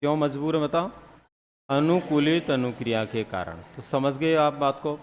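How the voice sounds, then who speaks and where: A man's voice: a little high, moderate pace, long reverb tail. A man teaching psychology in a live classroom lecture, questioning students and answering his own questions, sometimes teasing them.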